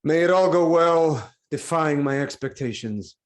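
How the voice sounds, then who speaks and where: An actor playing a troubled, grave king in a live reading of Greek tragedy, with weighty, deliberate delivery. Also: fairly high pitch, expressive. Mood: solemn. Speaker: actor giving a dramatic reading. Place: online video call.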